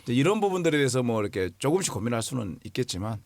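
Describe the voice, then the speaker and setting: A man in his forties, an actor, talking earnestly about a role in an interview, pausing often to find his words. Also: mid-range voice, sing-song, darkish tone, dry recording. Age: 40s. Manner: earnest, searching for words with many fillers. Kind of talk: film promotion interview.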